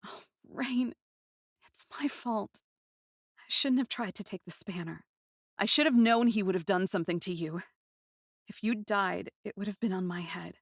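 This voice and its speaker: A woman's voice: medium pitch, normal speed, long pauses, no echo, studio quality, lightly acted. A woman playing a grieving, passionate young captive princess who tells her own story in an intense, emotive, dramatic first-person style. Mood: guilty, tearful.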